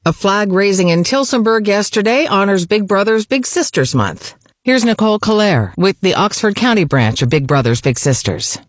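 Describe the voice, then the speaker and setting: Lively woman reading local news. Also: medium pitch, normal speed, no echo. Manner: crisp, lively newsreader delivery. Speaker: local radio news anchor. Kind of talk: scripted newscast reading. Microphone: studio microphone.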